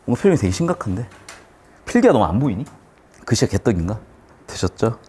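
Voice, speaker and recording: A man lecturing students on grammar, asking quick questions and answering them himself, shifting between polite and blunt speech. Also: lowish voice. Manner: lively, questioning, answers his own questions.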